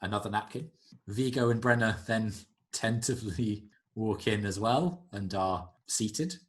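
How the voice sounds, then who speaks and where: A man's voice: on the low side, a little slow. A man narrating and running a tabletop role-playing game as game master. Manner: lively, descriptive narration.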